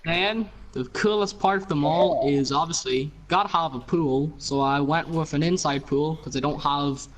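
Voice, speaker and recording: A man's voice: on the high side, moderate pace, hardly any pauses, rough recording. A man casually showing other players around his game build, rambling with lots of fillers over voice chat. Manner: rambling, many fillers and "you know". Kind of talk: casual game tour narration.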